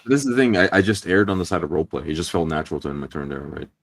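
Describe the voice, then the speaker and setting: A man's voice: deep voice, animated, racing. A man who plays tabletop games, talking in casual conversation. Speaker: tabletop role-playing player. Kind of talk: casual chat.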